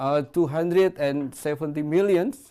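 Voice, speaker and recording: In an Indonesian accent, a man with a high pitch and a dark, mellow tone talks at a fairly slow pace with ordinary pitch variation. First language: Indonesian or regional language; English is third. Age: 50s. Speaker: conference presenter, translator. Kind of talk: presentation. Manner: halting.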